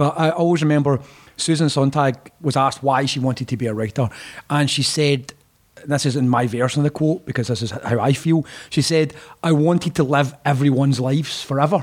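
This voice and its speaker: A man speaks in a Glaswegian accent. His pace is fairly quick, and his intonation is fairly even. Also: fairly high pitch for a man. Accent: Glaswegian Scottish. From Scotland, Glasgow East End. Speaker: novelist and musician. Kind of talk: casual chat.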